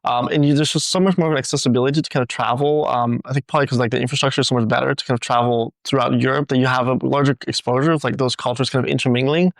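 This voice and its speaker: A young man from the Netherlands, a student guest in a casual interview, talking quickly with many fillers. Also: mid-range voice, fairly even intonation, gravelly, no echo. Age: young adult.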